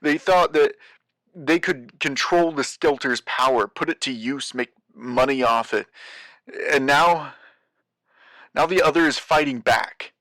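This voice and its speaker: A man's voice: medium pitch, a bit bright, dry recording, close to an everyday voice. Man acting weary, haunted postmaster, dry close sound. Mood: grave, horrified. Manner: halting, searching for words, grave. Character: weary, haunted male postmaster of a doomed city. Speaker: guest voice actor. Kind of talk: audio drama monologue, recorded message.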